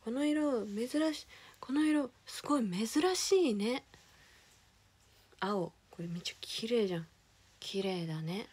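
A young woman, chatting casually as a streamer, ranting with animated indignation and dropping into whispered asides. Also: on the high side, measured pace, breathy edge. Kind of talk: casual chat.

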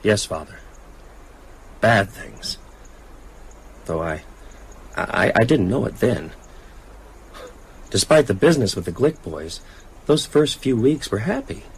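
A weary, haunted writer in a radio drama. His lowish voice is reflective and hesitant, over audible background ambience. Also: lively intonation, slow, creaky, pauses often, slight background noise, heavily acted, low-quality recording. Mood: grave, reflective. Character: haunted, weary male writer recounting evil events. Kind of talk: radio drama narration and dialogue.

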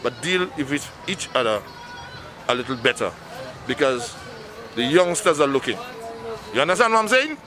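A man's voice: mid-range voice, big pitch swings, normal speed, pauses often, music in the background. A man in his fifties with a Saint Lucian accent, earnestly giving his views to a street interviewer with a handheld mic. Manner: earnest, addresses the listener directly. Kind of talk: vox pop answer. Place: busy town street outdoors. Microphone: handheld mic held by interviewer.

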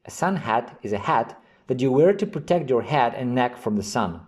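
Man teaching vocabulary, lively mellow voice. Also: medium pitch. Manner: slow, carefully enunciated reading of example sentences. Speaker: English teacher. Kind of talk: vocabulary lesson narration.

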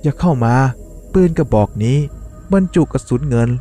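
หญิงสาวชาวบ้านใจเด็ดที่ตวาดเสียงแหลมสูงขึ้น ชายคนหนึ่งดัดเสียงเป็น พูดช้าและเน้นคำอย่างเด็ดขาด มีดนตรีเบาๆ อยู่เบื้องหลัง. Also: male voice, medium pitch, animated, extremely slow, soft background music, voice pushed up. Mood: fierce. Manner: sharp, commanding shouts. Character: fierce young village woman with a shotgun.

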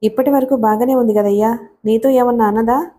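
Concerned sister-in-law, practical, narrator voice, highish. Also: female voice, fairly even intonation, brisk, mellow, slight background noise, lightly acted. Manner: puzzled, practical.

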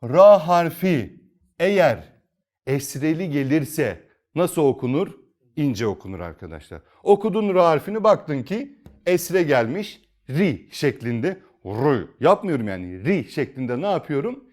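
In an unhurried, very animated way, a Quran reading teacher with a mildly mellow, somewhat high male voice leads his students through recitation one step at a time. Each rule comes with strong rises and falls in his tone, and he repeatedly quizzes the class before answering himself and reviewing the steps once more.

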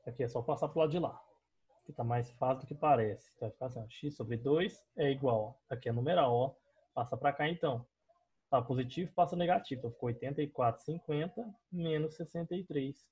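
A man's voice: mid-range voice, fast talker, warm tone, breathy edge, highs cut off. A young Brazilian man teaching a math class over a screen recording, explaining each step patiently and often checking in with his students. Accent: Brazilian Portuguese. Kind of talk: online math class explaining on a digital board.

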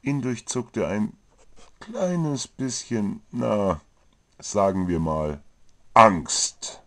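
A man's voice: on the low side, expressive, drawn-out words, fairly bright tone. A man narrating a comic fantasy story from a script.

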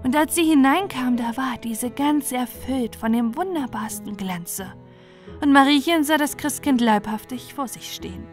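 A woman storyteller giving an expressive bedtime fairy-tale narration. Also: high-pitched, normal speed, faint music behind.

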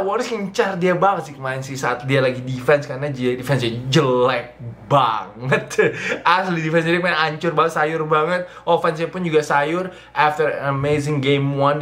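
A man's voice: medium pitch, fairly bright tone. Man giving casual sports commentary. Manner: slangy, mixes English phrases into his talk. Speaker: sports channel host. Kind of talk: casual basketball recap commentary to camera. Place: small indoor living room.

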